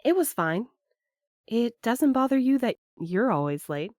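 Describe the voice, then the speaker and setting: Woman as a slow-spoken, hesitant courier. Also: fairly high pitch, big pitch swings, darkish tone, dry recording, clean studio sound. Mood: uneasy, guarded. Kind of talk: naturalistic audio drama acting.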